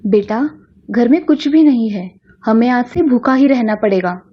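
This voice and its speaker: A woman's voice: fairly high pitch, animated, moderate pace, lo-fi sound. A woman voicing a hardworking, worried village mother in a cartoon, speaking earnestly. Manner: earnest and pleading.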